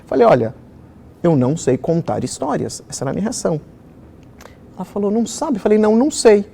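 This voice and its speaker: Here the Israeli-born children's author, a middle-aged man, talks fast in a high, gravelly voice. He tells personal stories in a spirited interview manner with plenty of fillers, over a faint hiss or hum.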